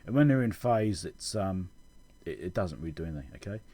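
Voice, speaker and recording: A man giving an informal technical explanation as a channel host, halting and correcting himself as he thinks aloud. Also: low-pitched, expressive, warm tone. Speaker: electronics repair channel host.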